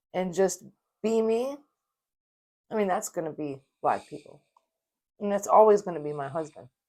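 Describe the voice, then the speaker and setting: Lively intonation and a dark, mellow tone at a moderate pace, with big swings in loudness and long, frequent pauses. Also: woman, medium pitch for a woman. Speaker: online show co-host. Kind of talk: casual political chat. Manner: loud, outspoken.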